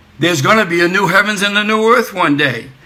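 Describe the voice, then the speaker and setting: Noticeable background noise sits behind a man who talks at a moderate pace with an American accent. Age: 70s. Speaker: war veteran sharing religious testimony. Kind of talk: testimony. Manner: halting, many repetitions and fillers.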